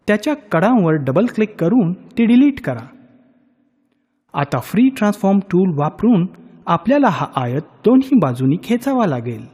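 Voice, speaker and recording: Lively higher-pitched man narrating a tutorial. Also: slightly rough. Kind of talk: scripted instructional voice-over. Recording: long reverberant hall echo.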